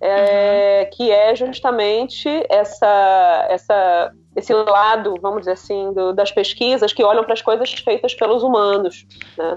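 A woman speaks at a medium pitch in a plain, everyday voice. Her pace is fairly slow and her intonation fairly even. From Rio de Janeiro, Brazil. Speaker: design professor. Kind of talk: casual chat.

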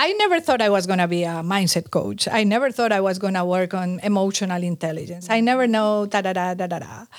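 A very fast woman with a Colombian accent and ordinary pitch variation, on a very clean recording with a silent background. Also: medium pitch for a woman, hardly any pauses. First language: Spanish. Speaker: communications coach and former news anchor. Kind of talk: interview.

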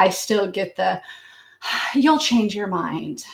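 A woman with an unremarkable speaking voice, a fairly high pitch and lively intonation. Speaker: podcast co-host. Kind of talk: casual chat.

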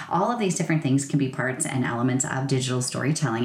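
A woman with a Canadian accent talks at a very fast pace. Noticeable background noise and audible room echo surround her. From rural Ontario, Canada. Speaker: educator and digital storytelling consultant. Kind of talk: interview conversation.

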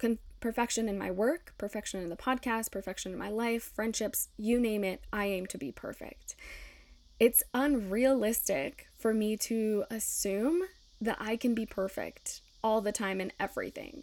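A very clean recording with a silent background, ordinary pitch variation and a moderate pace. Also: woman, fairly high pitch for a woman. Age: 20s. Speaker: podcast host, spiritual coach. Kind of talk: solo monologue. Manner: animated.

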